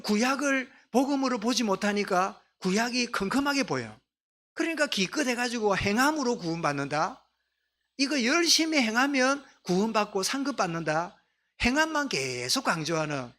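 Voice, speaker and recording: High-voiced Gyeongsang pastor preaching. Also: male voice, very animated, normal speed. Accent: Gyeongsang Korean. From Gyeongsang, Korea. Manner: soft-spoken for his dialect, leads congregation in responses. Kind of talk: sermon. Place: church sanctuary.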